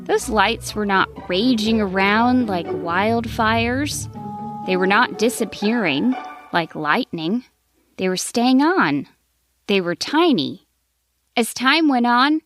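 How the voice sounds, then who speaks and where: A woman storyteller narrating a children's bedtime story expressively, in deliberate short phrases with dramatic pauses. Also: mid-range voice, fairly bright tone, no echo. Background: music.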